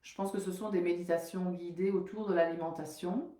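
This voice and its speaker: A woman with a soothing, mellow voice gives a relaxed live talk as a dietitian, slipping between loose chat and steadily read passages. The sound is roomy, with a clear echo around her. Her tone stays soft and dark rather than bright. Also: fairly low pitch, fairly quick.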